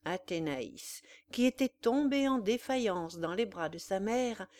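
A woman narrating a classic novel in a measured, even storytelling manner. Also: on the high side. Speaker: audiobook reader. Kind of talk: scripted literary narration.

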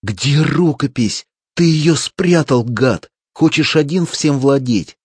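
A man voicing a greedy, fat male street photographer who screams in a shrill, frantic way in an audiobook. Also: unhurried, darkish tone, slightly rough, no echo. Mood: furious.

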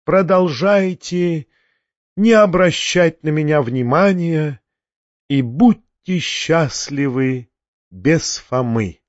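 A man's voice: on the high side, expressive, slow, no echo. A sanctimonious, self-pitying hanger-on, as a male reader puts him on, pious and mournful in tone. The sound is dull and dry.

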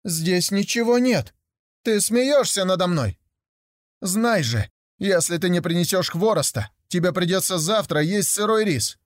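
A man's voice: high voice, animated, moderate pace, hardly any pauses, dry recording, clean studio sound, pitched above the performer's own voice. A man voicing a poor mother who scolds her son sharply and impatiently. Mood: scolding.

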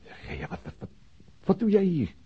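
A man's voice: high voice, animated, moderate pace, husky, heavily acted. An actor playing a flustered, smitten male police inspector who stammers and repeats his words in a radio drama. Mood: stunned, delighted. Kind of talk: intimate radio drama dialogue. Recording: dull, noisy old radio drama recording.

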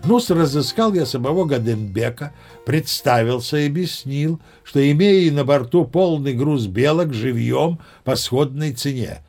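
Brief: an old captain spinning tall tales, mid-range chatty voice, soft music behind. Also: male voice, mid-range voice, expressive, unhurried. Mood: storytelling. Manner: chatty, confiding, old-fashioned courtesy. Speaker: narrator. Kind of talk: audio play narration.

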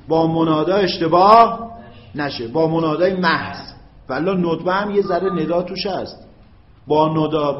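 A man teaching Arabic grammar in a classroom lecture, stretching out his example phrases in a slow, drawn-out chant and checking often whether his students follow. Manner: checks understanding with quick questions to students. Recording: echoey, dull low-fi classroom recording.

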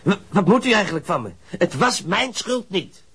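A man's voice: high voice, very animated, normal speed, a bit bright, breathy edge, exaggerated voice. An actor playing a surly, defensive young male ship's stoker in a radio crime drama, coarse and sullen, stammering when riled. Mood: indignant. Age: young adult.

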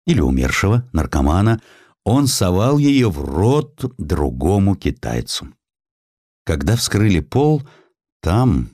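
A man narrating a historical story as an audiobook, in a measured, expressive, solemn and dramatic manner. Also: deep voice, no echo, clean studio sound. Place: dry studio.

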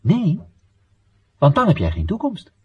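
A man's voice: high voice, huge pitch swings, measured pace, slightly rough, dull audio, heavily acted. An actor playing a dogmatic male party comrade in a radio play, lecturing in a didactic, emphatic way. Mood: patronising, firm. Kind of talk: scripted radio drama dialogue.

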